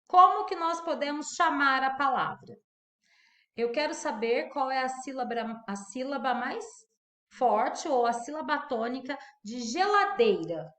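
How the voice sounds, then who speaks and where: Slow, lively woman teaching a class. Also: high-pitched, reverberant. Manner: asks the class questions and answers them, stretching key words. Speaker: primary school teacher. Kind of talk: recorded online grammar lesson.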